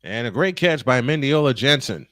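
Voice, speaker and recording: A man calling a football game play-by-play, steady between downs and surging with excitement on big plays, sometimes correcting himself mid-call. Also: medium pitch, normal speed, no echo. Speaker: play-by-play announcer. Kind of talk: play-by-play commentary.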